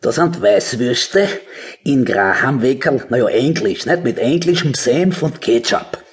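An actor playing a chatty, proud snack-shop owner in a radio play, speaking colloquially with an Austrian accent. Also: male voice, medium pitch, lively intonation, measured pace, lightly acted. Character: talkative male snack-shop owner, proud of odd creations.

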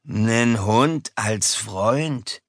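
A man's voice: fairly low pitch, drawn-out words, a bit bright, dry recording, studio quality, heavily acted. A man voicing a mocking young male bully cat in an audiobook for children. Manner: sneering, mocking. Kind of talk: audiobook character voice.

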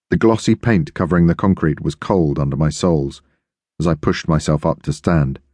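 A man narrating an audiobook in the first person, steady and measured. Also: a bass voice, no echo.

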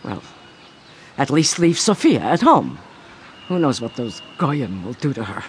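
A woman's voice: a bass voice, big pitch swings, unhurried, slight background noise, exaggerated voice. An actress playing a scolding, pious Jewish townswoman in an audio drama, dramatic, nagging and full of lament. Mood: lamenting, ominous.

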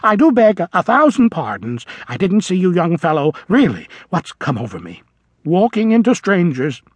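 A man's voice: high voice, huge pitch swings, moderate pace, breathy edge, no echo, pitched above the performer's own voice, heavily acted. A man voicing an elderly, nearsighted male vole who is fussy, apologetic and old-fashioned in speech. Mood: flustered. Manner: flustered, polite, old-fashioned phrasing. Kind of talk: audiobook character voice.

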